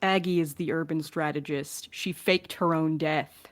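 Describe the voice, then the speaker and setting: A woman's voice: low voice, steady tone, a little slow. A woman in a casual podcast Q&A, talking playfully as one of the crew fielding questions.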